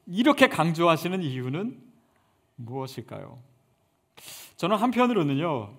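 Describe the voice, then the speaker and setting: A man preaching a sermon as pastor, earnest and conversational, building up emphasis on key points. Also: fairly high pitch.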